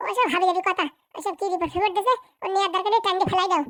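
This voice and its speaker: A woman voicing an arrogant, brusque female politician in a comedy cartoon, with a rural Bengali accent and a pitched-up voice. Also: steady tone, very fast, a bit bright, no room sound. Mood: dismissive. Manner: brusque, haughty.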